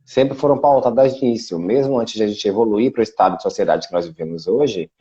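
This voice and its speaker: A man's voice: fairly low pitch, fairly quick, warm tone, slightly rough, lo-fi sound. A Brazilian man from Salvador, a guest in a casual video interview, explaining at length with frequent fillers. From Brazil (Salvador, Bahia). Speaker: guest, international relations specialist. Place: Portugal.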